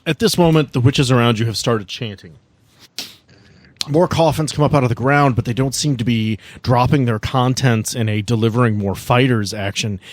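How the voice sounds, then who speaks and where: A man running a tabletop game as game master, narrating and talking casually with players. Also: mid-range voice. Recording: music playing behind the voice. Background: music.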